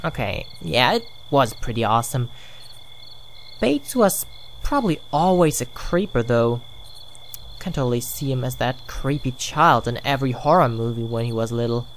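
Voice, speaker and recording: A performer playing a laid-back horror storyteller who talks in a halting way, with pauses. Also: medium pitch, animated, a little hiss or hum, natural voice. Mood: wry. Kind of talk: scripted horror storytelling and acted banter.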